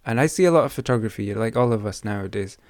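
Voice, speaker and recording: A man's voice: lowish voice, expressive, fast talker, no room sound. A man hosting a photography podcast, talking in a friendly, hesitant way with many fillers. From United Kingdom. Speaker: podcast host. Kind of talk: casual interview.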